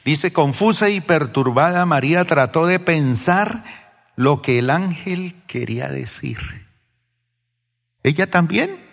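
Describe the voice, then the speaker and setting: A pastor preaching to his congregation, dramatic and questioning, going from loud exclamations to hushed whispers. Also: a little high, lively intonation, slow, vocal fry, in a large hall. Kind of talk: sermon. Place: church.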